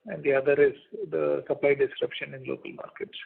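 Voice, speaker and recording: A man answering analysts' questions as a company executive on an earnings call, in a halting, measured, deliberate way. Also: medium pitch, flat delivery, vocal fry, husky. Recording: muffled, lo-fi conference call audio.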